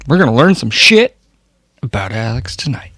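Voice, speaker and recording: A man's voice: mid-range voice, sing-song, moderate pace, fairly bright tone, no echo, studio quality, soft background music. A man bantering playfully and casually as a player on a game podcast. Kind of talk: casual chat.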